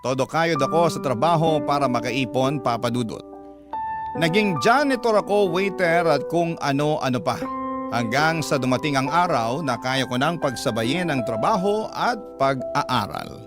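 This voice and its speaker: A man's voice: a little high, expressive, moderate pace, natural voice. A man playing a gay letter sender, giving a candid, self-deprecating first-person life story as dramatic radio narration. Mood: resolute, candid. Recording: loud music bed underneath.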